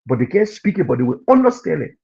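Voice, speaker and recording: Fiery Liberian man, husky lo-fi broadcast. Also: fairly high pitch, big pitch swings, fast, warm tone. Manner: preachy, scolding, repeats points for emphasis. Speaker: radio and TV commentator. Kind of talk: impassioned political commentary.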